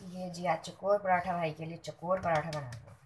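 A woman's voice: on the low side, fairly even intonation, moderate pace. Woman, casual cooking vlog, homely chatter, home kitchen, clattering pans, noisy recording. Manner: chatty, homely, talks while working. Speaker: cooking vlogger. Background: clatter of pots and dishes.

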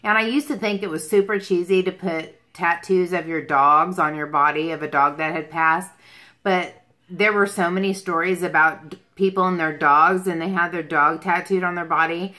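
Woman, forties, bright forward voice, slightly low pitch, casual livestream chat, rambling. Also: steady tone, normal speed. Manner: rambling, jumps between topics. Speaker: beauty livestream host. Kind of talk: casual livestream chat answering viewer questions. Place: small furnished room at home, indoors.

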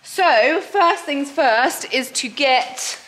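A woman's voice: sits high, expressive, extremely slow, fairly bright tone, low-quality recording. Bubbly young woman, chatty. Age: young adult. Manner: chatty, bubbly, lots of fillers. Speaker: horse rider vlogger. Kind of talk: casual vlog chat. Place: indoor horse barn. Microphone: handheld camera close up.

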